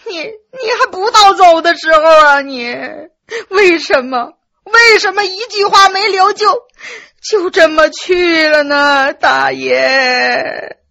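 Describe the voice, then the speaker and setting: A woman's voice: very high-pitched, slow, vocal fry, sharp tone, pitched above the performer's own voice, heavily acted. Woman voicing a weeping young man. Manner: crying out. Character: grieving young male household member, weeping.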